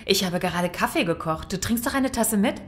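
A woman's voice: mid-range voice, lively intonation, fairly quick, a little hiss or hum, natural voice. An actress in a German radio play playing an overly sweet, insistent female neighbor with a coaxing delivery. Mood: cheerful, insistent.

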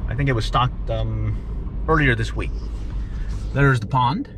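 A man's voice: medium pitch, measured pace, background noise. A man casually narrating his fishing trip from a pond pier, chuckling as he explains his gear and catches. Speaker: fishing vlogger. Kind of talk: casual fishing vlog commentary. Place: outdoors at a park pond on a pier. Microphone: action camera.

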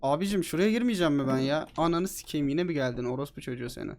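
A man giving excitable, joking let's-play commentary on a horror game, swearing freely. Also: a little high, rapid-fire, a little hiss or hum. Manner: excitable, swears a lot, jokey. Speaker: gaming streamer.

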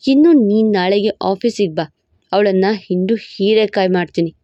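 A woman voicing a playful, cocky young husband in a storybook romance, with a low, smug, teasing drawl. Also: normal speed, warm tone, no echo, lo-fi sound, close to an everyday voice. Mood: protective. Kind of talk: storybook narration with voiced roles.

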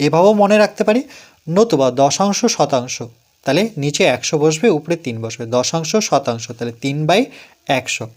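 A man with a Bengali accent gives a step-by-step math lesson for young pupils. His voice sits somewhat high for a man, and he is patient, repeating numbers digit by digit so nobody gets lost. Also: moderate pace, darkish tone. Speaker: math teacher.

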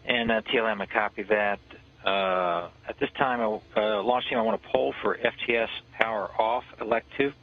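A low-voiced man reads out launch steps over a muffled radio comms loop, husky and a little dull in tone. He is brisk and procedural, with the odd hesitation between calls. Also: fairly even intonation. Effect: radio communications loop. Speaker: launch conductor. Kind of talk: clipped countdown radio calls.

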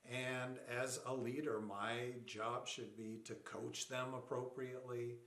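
A man coaching product leaders in a short explainer, measured and plain-spoken, slowing down to stress his points. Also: mid-range voice, flat delivery, a bit bright. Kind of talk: short explainer talk to camera. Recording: roomy echo.

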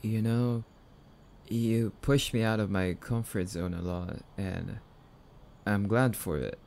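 A man's voice: lowish voice, fairly even intonation, slow pace, gravelly, a little mellow, slight background noise. A young man playing a jumpy, bashful catboy boyfriend in an ASMR roleplay, stammering and hesitant, bratty but sweet. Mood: soft, tender.

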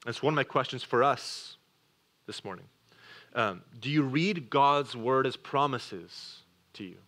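A male pastor delivers a sermon in an earnest, conversational voice of ordinary pitch. He hurries through side remarks, then slows down and drops quieter to press a point home. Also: lively intonation. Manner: earnest, shifts from quick asides to slow, quiet emphasis. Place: church sanctuary.

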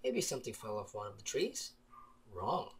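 Young Filipino man, very lively intonation. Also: lowish voice, normal speed, a little hiss or hum. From Philippines. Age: young adult. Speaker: gamer hosting a let's play. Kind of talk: casual game commentary, reading story text aloud. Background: soft guitar music.

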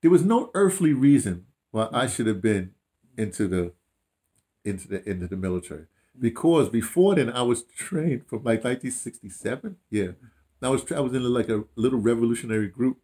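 This audio dramatist, in his 60s or 70s and seemingly late sixties, reminisces in a casual chat from a small room at home. At medium pitch and a slightly fast pace, he spins animated stories, often repeating phrases and quoting his own words.

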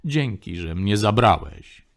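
A man voicing a quiet, terse male aide who mutters his replies. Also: on the low side, lively intonation, slow pace.

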